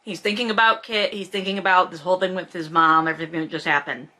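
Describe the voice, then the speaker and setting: A woman's voice: lowish voice, steady tone, fast talker, pushed and bright. A woman hosting a book read-along, reading aloud and commenting in a blunt, profane, sarcastic and casual way. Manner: sarcastic, emphatic.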